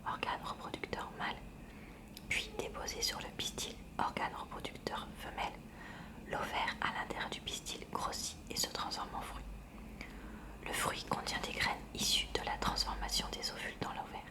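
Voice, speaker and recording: A woman reads a textbook aloud for ASMR in a breathy, unvoiced library whisper, hushed and careful. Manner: hushed, careful, measured reading. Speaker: ASMR reader. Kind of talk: soft ASMR read-aloud of a school science textbook.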